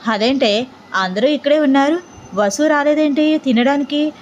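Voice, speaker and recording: A gentle older grandmother speaks in a reassuring, caring way, voiced by a woman storyteller. The voice is fairly high, and the recording is a bit dull with faint hiss. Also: moderate pace, close to an everyday voice.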